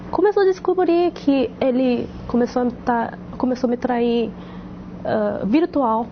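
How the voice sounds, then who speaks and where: A woman from South Korea with a Korean accent, a Korean native speaker, giving a halting personal testimony, muffled with faint noise. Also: on the high side. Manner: halting, searches for words.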